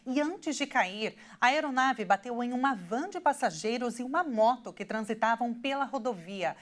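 A woman's voice: on the high side, animated, normal speed. A Brazilian woman in her thirties presenting scripted TV news as an anchor in a studio.

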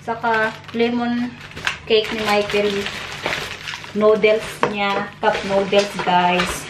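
A woman's voice: medium pitch, little pitch movement, slow. A young Filipino woman chatting casually to her vlog viewers, mixing two languages as she goes. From Philippines. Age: young adult. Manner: chatty, mixing Tagalog and English. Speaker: vlogger. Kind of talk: casual vlog chat, showing groceries. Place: small home kitchen indoors. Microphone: camera on the counter, a little away. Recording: roomy, distant mic, clattering household noise.

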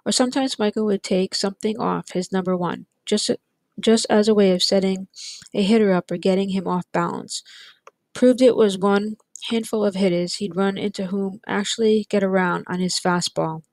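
A woman reading a chapter of a novel aloud, in steady, plain storytelling. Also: medium pitch, dry recording. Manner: steady, plain storytelling with light character voices. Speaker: audiobook reader. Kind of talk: read-aloud narration.

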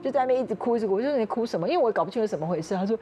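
A woman with a Taiwanese Mandarin accent, a talk show guest who tells an animated story and laughs often. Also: fairly high pitch, rapid-fire. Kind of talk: casual talk show chat. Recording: studio mix with music underneath. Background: background music.

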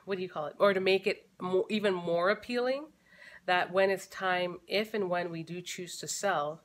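A woman in her thirties talks casually to a camera set close in front of her at home. Her voice sits a little low, and she thinks aloud as she goes, full of fillers and restarts. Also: steady tone, normal speed. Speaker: family vlogger. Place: living room at home.

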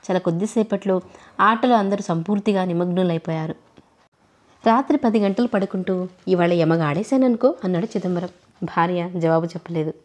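A woman reading a novel aloud in a calm, even storytelling voice, giving the characters' lines only a light touch. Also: lowish voice, brisk.

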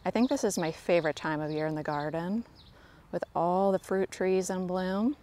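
A woman's voice: fairly low pitch, darkish tone. A woman giving a casual walking tour of her home garden, chatty and self-deprecating, talking to viewers like friends, recorded outdoors on a handheld phone. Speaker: garden vlogger. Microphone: handheld phone camera, speaker off screen.

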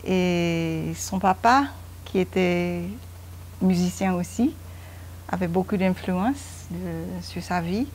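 A woman's voice: fairly low pitch, takes it slowly, darkish tone, slight background noise. A woman in her fifties from Guyana, a guest speaking hesitantly with many fillers on a home veranda. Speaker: interview guest, mother.

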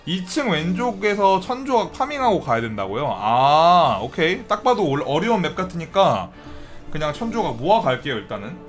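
A man casually commenting on his gameplay as a streamer, chatty and breaking into loud excited outbursts and swearing. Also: a little high, normal speed, faint music behind. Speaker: game streamer.

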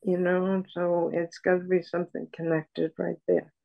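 An older woman on a video call at home, speaking softly and haltingly with many pauses as she talks about her life as a patient. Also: fairly low pitch, little pitch movement, vocal fry, highs cut off. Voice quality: soft voice. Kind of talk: personal account in an interview. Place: room at home. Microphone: video call webcam.

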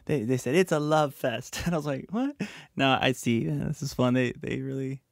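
With faint music behind him, a thirty-something man rambles through casual reaction commentary for a music video, filling his talk with fillers in his small home studio. He speaks at normal speed in a creaky, medium-pitched voice, and the recording is dry.

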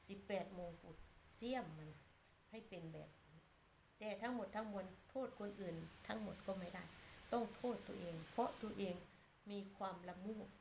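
A woman's voice: mid-range voice, normal speed, creaky, background noise. A woman giving a blunt, scolding opinion monologue as a channel commentator.

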